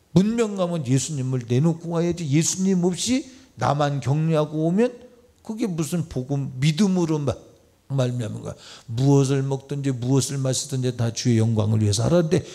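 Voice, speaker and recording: Gravelly, mellow-voiced man preaching a sermon. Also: mid-range voice. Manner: conversational preaching, swinging from loud exhortation to soft asides; acts out quoted speech and asks the congregation questions. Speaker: pastor. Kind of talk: midweek church sermon. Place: church service.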